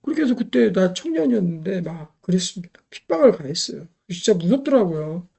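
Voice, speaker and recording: A woman's voice: on the low side, big pitch swings, brisk, vocal fry, dark tone, slightly rough. A middle-aged woman preaching a sermon, emphatic, repeating key phrases and putting rhetorical questions to the congregation.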